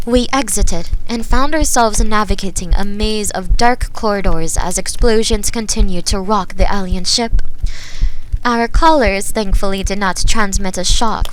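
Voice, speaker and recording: Female storyteller, mid-pitched, measured and dramatic, for horror sci-fi narration; slightly noisy binaural track. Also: a bit bright. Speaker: storytelling ASMR performer. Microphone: binaural microphone.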